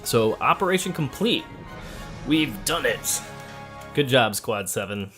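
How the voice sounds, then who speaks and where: A man's voice: medium pitch, big pitch swings, a little slow, sharp tone. A man hosting a let's play, thinking aloud in casual, conversational game commentary. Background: game music.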